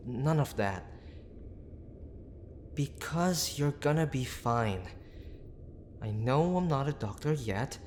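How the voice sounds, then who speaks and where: Audio roleplay boyfriend, male actor: young, mid-pitched, unhurried, gruff yet tender, anxious and pleading, faint storm noise behind. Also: darkish tone. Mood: pleading, desperate. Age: young adult. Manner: halting, pleading, with sighs and breathy asides. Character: gruff, tender young boyfriend, a medical student, desperately worried. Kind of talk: intimate dramatic boyfriend roleplay.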